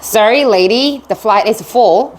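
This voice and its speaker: A woman's voice: on the high side, very slow. A woman teaching an English reading lesson in a chatty, storytelling way, with asides to her students. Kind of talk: casual classroom lecture.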